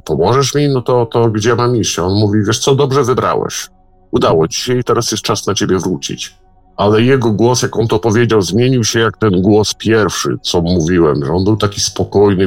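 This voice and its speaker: A man telling a personal story in casual speech, halting, with repeated words and restarts. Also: lowish voice, no echo.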